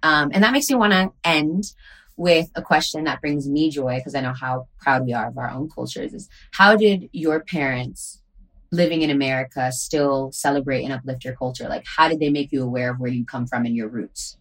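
A woman's voice: rumbling low, normal speed, a bit bright, rough recording. A woman hosting a casual chat, talking in an earnest, reflective way with many "like" fillers.

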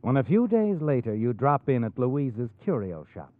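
A man's voice: mid-range voice, very animated, normal speed, dry recording, lightly acted. An American man playing a sardonic, all-knowing narrator of a 1940s radio mystery, taunting and dramatic. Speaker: narrator and host. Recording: tinny old radio recording, music behind. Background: music.

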